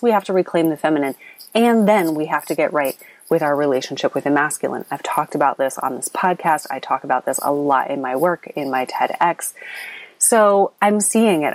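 A low-pitched woman with a slight lilt, hosting a spiritual podcast. She talks earnestly and wanders, with ums and restarts, her voice a bit scratchy. It is recorded close and dry on a recording app. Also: dry recording. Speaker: podcast host. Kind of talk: spiritual coaching podcast monologue. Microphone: app recording, close mic.

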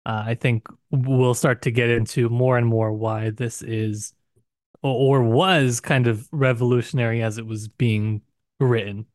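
A man's voice: mid-range voice, no echo, studio quality. A man co-hosting a podcast, casually discussing a book and offering personal opinions in a tentative way. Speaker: podcast co-host.

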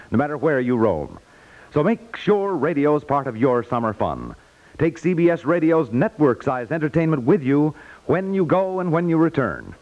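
A man announcing a scripted 1950s radio promo with polished, breezy salesmanship. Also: mid-range voice. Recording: dull vintage 1950s radio recording.

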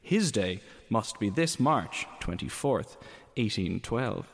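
Gentleman scholar villain played by a man, early 1800s: pompous, cold, animated pitch, long reverb, music behind. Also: creaky, husky, exaggerated voice. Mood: cold, methodical. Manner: pompous, formal, deliberate. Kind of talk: audio drama monologue, reading a written confession.

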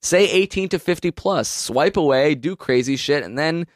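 A man of about thirty co-hosts a podcast, teasing and joking with a playful manner. His pitch swings widely as he talks. He sounds dry and close, with no room echo. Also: moderate pace. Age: late 20s to early 30s. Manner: playful, jokey, animated delivery. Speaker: podcast co-host. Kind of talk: casual chat.

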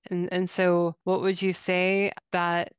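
A woman's voice: fairly low pitch, monotone, slow pace, clear, resonant tone, dry recording, clean studio sound. A woman co-hosting a conversational interview, speaking in an affirming manner. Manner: affirming, frequent soft agreement. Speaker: interviewer, co-host.

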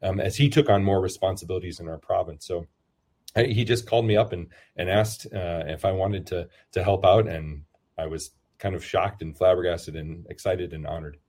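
Low-voiced priest chatting casually. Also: male voice, moderate pace, darkish tone, husky. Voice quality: lower voice. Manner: rambling, self-deprecating, many fillers and restarts. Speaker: priest and football chaplain. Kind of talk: casual interview answers.

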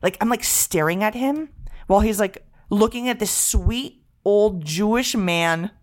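A woman from Venezuela chatting casually on a podcast, telling an animated story and swearing freely, with Spanish phrases mixed in. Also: mid-range voice, a little slow.

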